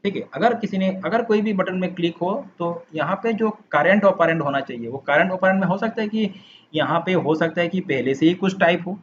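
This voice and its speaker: A man with a high, brisk voice walks through a coding lesson, typing code and patiently repeating and rephrasing the steps. The recording sounds dull and lo-fi with faint noise.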